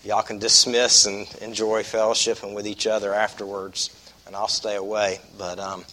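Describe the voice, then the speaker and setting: A man with a Southern US accent preaching an expository sermon as a pastor, croaky from a cold, in a folksy, deliberate manner that repeats phrases for emphasis. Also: fairly low pitch, little pitch movement, bright, forceful tone, slight background noise, rough recording. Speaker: pastor preaching to his congregation.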